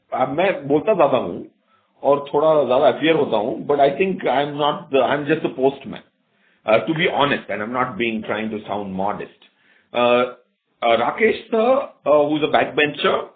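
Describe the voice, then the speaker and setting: A man with an Indian accent, a company executive answering investors in a rambling way with repeated phrases on an earnings call. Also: mid-range voice. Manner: rambling, repeats phrases, switches between English and Hindi. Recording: narrow-band conference call audio.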